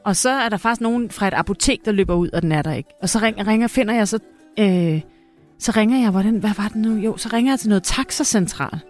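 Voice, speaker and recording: A woman talks casually as a podcast guest, telling a long story that keeps stopping and restarting as she corrects herself. Her voice sits at an ordinary middle pitch. Faint music plays softly in the background. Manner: lively, rambling storyteller with many restarts. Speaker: actress guest.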